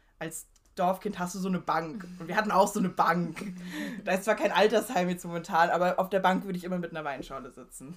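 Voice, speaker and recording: A woman speaks at a very fast pace with a medium pitch and big swings in loudness. Music plays in the background. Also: ordinary pitch variation. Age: 20s. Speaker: university student and band member. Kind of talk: casual chat.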